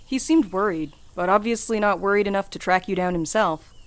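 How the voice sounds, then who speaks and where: A woman's voice: medium pitch, fairly quick, close to an everyday voice. A woman acting as a no-nonsense friend in an audio drama. She is direct and practical, yet looks after people. Her delivery is natural and unfussy. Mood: brisk, caring. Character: practical, blunt, caring female rescuer and friend.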